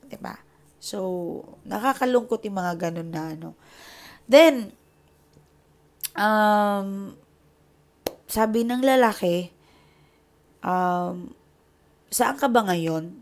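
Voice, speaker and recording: Lowish-voiced Filipino woman telling a story. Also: creaky, a little mellow. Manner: recounts a client's story with quoted dialogue, mixing Tagalog and English. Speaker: tarot reader. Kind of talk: casual storytelling to viewers.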